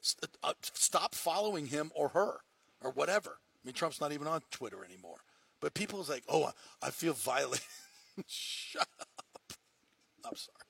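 Gravelly-voiced man ranting on a sports podcast. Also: on the high side, sing-song, normal speed, long pauses, a bit bright. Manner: heated, emphatic ranting with mocking quoted voices. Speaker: sports talk show host. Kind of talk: casual sports talk ranting.

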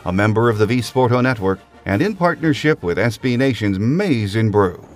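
A man's voice: on the low side, normal speed, over music. A man hosting a sports podcast, reading game notes and promos. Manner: steady announcer delivery, reading notes and promos. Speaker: podcast host.

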